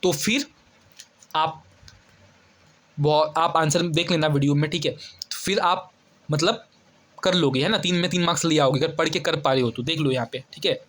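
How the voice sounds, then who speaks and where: A young man tutoring kids for an English olympiad exam in casual Hindi, reading English sentences out slowly and constantly checking that students follow along. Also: fairly high pitch, a bit bright. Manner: chatty, keeps checking students follow ("है ना", "ठीक है").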